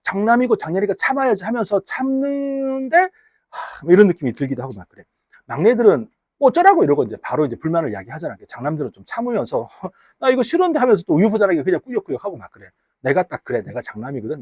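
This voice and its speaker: A man from the Gyeongsang region teaches English to a class, joking and teasing his students as he goes. His voice is husky and a little high, and his pitch swings widely. The sound is dry and close, picked up on a wearable mic in a classroom. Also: big pitch swings, quick pace, darkish tone, no room sound. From Gyeongsang region, Korea. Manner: teasing, chatty, banters with students. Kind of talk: casual classroom lecture.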